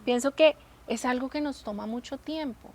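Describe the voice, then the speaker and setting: A woman's voice: high-pitched, moderate pace, a little mellow. A woman co-hosting a Christian talk show, explaining ideas through everyday examples and rhetorical questions. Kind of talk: faith-based casual conversation.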